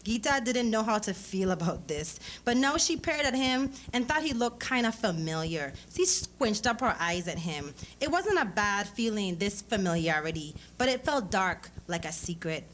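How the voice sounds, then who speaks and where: A woman's voice: mid-range voice, very animated, moderate pace, hardly any pauses, a bit bright. A woman reading literary fiction aloud dramatically at a live event. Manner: acts out dialogue in character voices. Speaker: author reading a story. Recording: clearly noisy live event recording.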